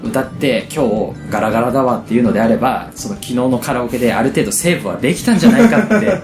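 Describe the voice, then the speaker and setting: A man chatting casually as a co-host in a matter-of-fact, gently chiding manner. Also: mid-range voice, lively intonation, racing. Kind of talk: casual chat. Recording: echoey room with music behind. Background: background music.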